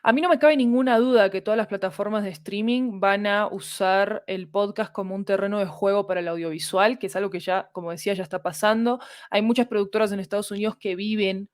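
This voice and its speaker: A woman talking thoughtfully in a casual interview, pausing to search for words as a guest. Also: mid-range voice, no echo, studio quality. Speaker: podcast guest, audio fiction expert.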